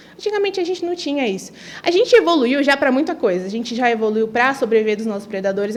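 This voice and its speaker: Noticeable background noise sits under a woman talking at a very fast pace. Her voice is high in pitch, with very wide pitch swings. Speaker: spiritist youth speaker.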